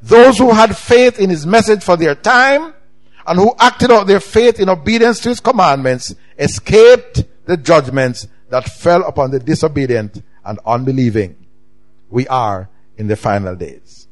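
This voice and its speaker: A middle-aged man with a Jamaican accent, preaching a sermon with emphatic swings in pitch and loudness. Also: lively intonation, unhurried. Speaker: pastor.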